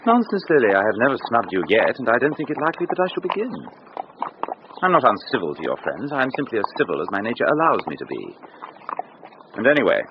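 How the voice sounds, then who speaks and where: An actor playing a snobbish young gentleman suitor, languid and condescending, in a radio drama. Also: mid-range voice, sing-song, quick pace, close to an everyday voice. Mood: smooth. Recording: dull broadcast audio with hiss.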